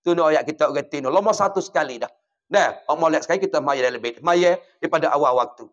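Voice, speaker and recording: A man from southern Thailand, preaching a sermon as a religious teacher and telling stories that swing between loud and hushed. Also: fairly high pitch, fast talker.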